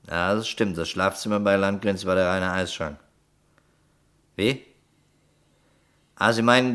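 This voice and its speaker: Wry male detective, low voice, probing questions, sceptical drawl, radio crime drama. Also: fairly bright tone. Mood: businesslike. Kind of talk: German radio crime play acting.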